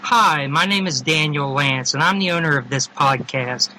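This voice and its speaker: A man's voice: on the high side, normal speed, low-quality recording. A man introducing his podcast in a plain spoken style. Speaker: podcast owner giving an introduction.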